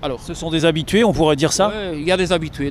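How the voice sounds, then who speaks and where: A man talks over noticeable background noise. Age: 60s. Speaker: founder of a charity for homeless people. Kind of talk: interview. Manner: halting, many hesitations.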